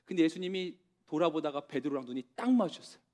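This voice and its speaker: High-voiced Korean pastor preaching. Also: male voice, animated. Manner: storytelling with dramatic pauses, dropping to a soft voice for tender quoted words. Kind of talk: sermon to a young adult congregation.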